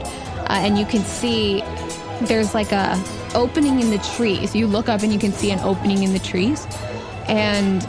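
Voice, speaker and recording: Female game master, mid-range voice, narrating a tabletop adventure with music clearly underneath. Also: medium pitch. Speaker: game master and podcast host. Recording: music playing behind the voice.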